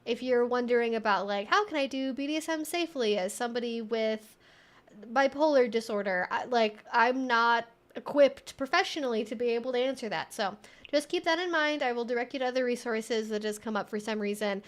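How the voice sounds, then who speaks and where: A woman's voice: fairly high pitch, brisk. A young woman hosting a livestream, chatting in an informal, rambling way as she answers viewer comments. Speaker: livestream host.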